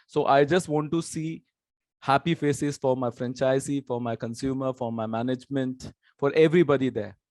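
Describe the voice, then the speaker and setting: A man raised in Hong Kong speaks with a Chinese accent, explaining his business with earnest repetitions. His voice sits at a middle pitch, recorded dry and close. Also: fairly even intonation, normal speed, a little mellow, dry recording. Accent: Chinese-tinged. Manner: repeats words, earnest. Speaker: company founder.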